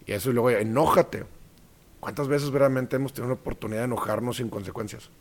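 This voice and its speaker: Speaking rapid-fire at a medium pitch, this guest actor with a Mexican accent spins animated stories during a relaxed interview. He performs the quoted voices as he goes.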